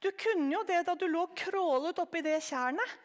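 A woman's voice: extremely high pitch, expressive, pitched above the performer's own voice. A woman voicing a small, curious, cheeky boy who keeps asking questions. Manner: eager, questioning.

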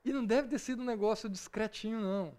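A man with a Brazilian Portuguese accent explains scripture in a relaxed Bible study. His voice sits high for a man. He talks conversationally and keeps checking in with his audience. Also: fast, clear, resonant tone. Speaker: Bible teacher. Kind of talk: informal Bible study lesson.

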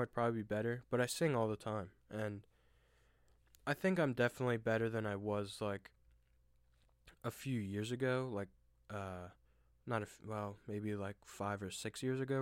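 A young man hosting a solo podcast, rambling and self-deprecating with lots of fillers and restarts, with a deep voice. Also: clean tone, no echo, clean studio sound. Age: young adult. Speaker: podcast host. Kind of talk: casual solo monologue. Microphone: desk microphone at home.

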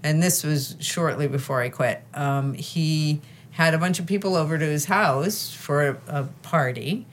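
A woman's voice: low voice, a little slow, slight background noise. A woman co-hosting a casual podcast chat, telling a rambling story with amused laughter. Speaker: podcast co-host.

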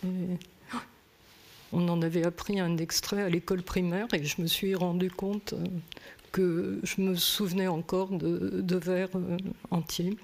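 Slow, gravelly-voiced Frenchwoman, hesitant. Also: on the low side, flat delivery, a little mellow. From France. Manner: hesitant, thoughtful, many pauses and fillers. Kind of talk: reflective conversation.

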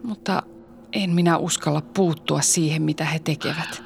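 Woman as a grieving follower, anguished, whispery, gravelly, faint hiss, radio play. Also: low-pitched, steady tone. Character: grieving female follower of Jesus, fearful.

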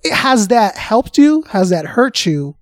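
A man's voice: sits high, a little slow, dry recording. Jokey guy hosting an interview, voice all over the place, dry room, trips over his words. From United States. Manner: animated, jokey, stumbles and restarts. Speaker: interview host. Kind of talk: casual interview chat.

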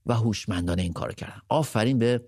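A man's voice: fairly low pitch, darkish tone, slightly rough, dry recording, clean studio sound. A man co-hosting a live podcast, speaking emphatically and repeating phrases for stress. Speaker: podcast co-host.

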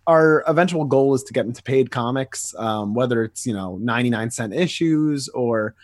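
A young man co-hosting a podcast, chatting casually and telling stories in a rambling, animated way. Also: medium pitch, no echo, clean studio sound. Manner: fast, rambling, animated storytelling. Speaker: podcast co-host and comic writer. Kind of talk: casual chat.

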